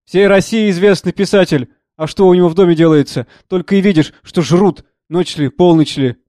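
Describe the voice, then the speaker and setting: A man's voice: high-pitched, brisk, warm tone, no room sound, clean studio sound, natural voice. A man reading a grumbling, sardonic hanger-on. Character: embittered man, disillusioned hanger-on.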